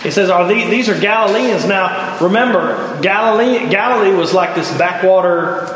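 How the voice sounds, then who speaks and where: A man's voice: sits high, moderate pace, a bit bright, a little hiss or hum. A man with a Southern US accent teaching an informal Bible class, conversational and folksy, asking his class questions. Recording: echoey hall, dull lo-fi sound.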